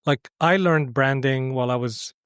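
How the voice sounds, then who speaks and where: A man's voice: mid-range voice, normal speed, fairly bright tone, clear, resonant tone, no room sound, studio quality. A man from Syria speaking as a podcast guest, explaining his thinking in a conversational interview.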